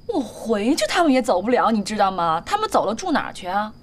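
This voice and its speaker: A woman's voice: mid-range voice, very animated, quick pace. An actress playing a young mother who pleads with her own mother and argues back in a TV drama scene. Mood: defensive. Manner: pleading, defensive. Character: weary young mother, defensive with her mother, gentle with child. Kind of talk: TV drama acting.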